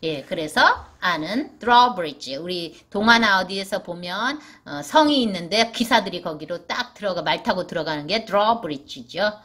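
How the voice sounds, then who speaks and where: A middle-aged woman giving a casual vocabulary lesson for parents, repeating each English word slowly and with emphasis. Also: lowish voice, animated, a bit bright.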